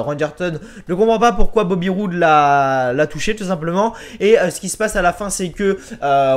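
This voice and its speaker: A man hosting a casual, opinionated spoken recap of a wrestling show, with frequent fillers and repeated words. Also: high voice.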